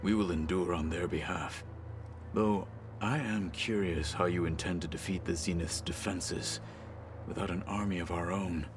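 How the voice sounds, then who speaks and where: An actor playing a proud, loyal tribal warrior in a video game, speaking in a formal, measured, solemn way. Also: male voice, low-pitched, steady tone, music in the background, lightly acted. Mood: resolute. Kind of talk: video game character dialogue.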